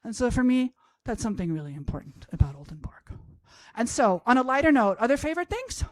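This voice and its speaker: A woman's voice: fairly high pitch, very animated, fast, a little mellow, dry recording, studio quality. A woman in her fifties from Austria, a language professor telling a humorous personal story on stage to an audience, wry and self-mocking. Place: college event stage before an audience.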